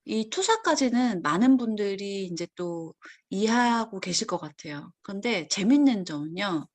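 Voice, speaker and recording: A woman co-hosting a psychology talk show, speaking in a thoughtful, gently reflective way. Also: on the high side. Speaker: podcast co-host. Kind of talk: casual explanatory chat.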